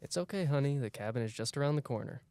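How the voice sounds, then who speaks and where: A man's voice: medium pitch, animated, quick pace, a little mellow, dry recording, lightly acted. A man playing a dismissive, placating husband in a student radio play acted live. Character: dismissive husband on an anniversary getaway, placating his wife. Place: radio studio with live sound effects. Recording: faint background noise, live studio sound effects.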